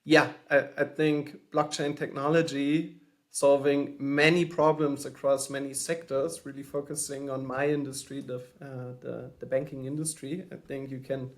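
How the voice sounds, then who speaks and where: A man's voice: medium pitch, little pitch movement, moderate pace. Hesitant German man guest on a call. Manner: thoughtful, hesitant, many fillers and restarts. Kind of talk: podcast interview answers. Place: home.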